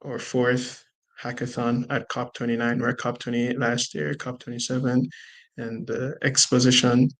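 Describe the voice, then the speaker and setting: A young man talks casually on a video call, halting and stacking fillers. His voice is gravelly with vocal fry. His pitch stays quite flat. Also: low-quality recording. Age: young adult. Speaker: panelist. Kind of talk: online panel discussion.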